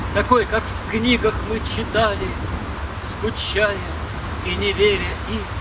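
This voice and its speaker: A man's very slow speech broken by long, frequent pauses, over loud background noise. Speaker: poetry reciter. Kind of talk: poetry reading. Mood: solemn, dramatic. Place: open country.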